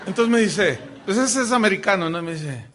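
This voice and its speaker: A Mexican pastor teaching a Bible class, animated and joking, with lots of restarts. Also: male voice, high voice, brisk, background noise.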